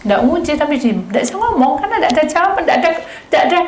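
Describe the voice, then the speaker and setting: Animated woman pastor telling a story. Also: sits high, very fast. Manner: animated, conversational, addresses listeners as saudara. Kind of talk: storytelling sermon. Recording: roomy echo with faint background noise.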